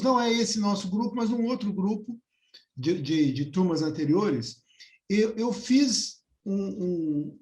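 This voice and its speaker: A man's voice: high-pitched, darkish tone, reverberant. A man in a casual study group discussion, talking hesitantly with many restarts and tag questions.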